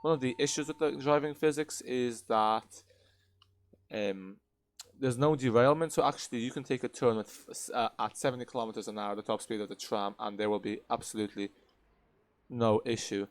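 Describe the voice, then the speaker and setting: Over gameplay footage, a man reviews a game in unscripted commentary, explaining things in a measured, hesitant manner. His voice sits at medium pitch with fairly even intonation, recorded without echo.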